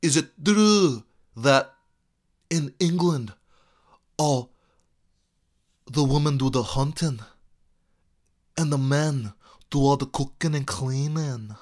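A man's voice: mid-range voice, slow pace, long pauses, darkish tone, close to an everyday voice. A man putting on a clumsy, exaggerated Scottish accent in a Braveheart-style bit. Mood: curious. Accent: put-on Scottish.

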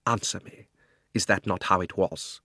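A man voicing a proud, imperious witch queen in an audiobook, speaking slowly and with cold command. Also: low voice, steady tone, sharp tone, dry recording, studio quality, exaggerated voice. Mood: haughty. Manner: slow, commanding, haughty delivery. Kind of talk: audiobook character voice.

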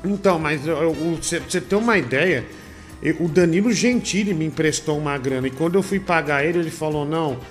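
A man's voice: on the high side, a little fast, faint music behind. A man hosting a comedy show, reading viewer messages aloud in a rambling, joking way. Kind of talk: reading superchats, bantering.

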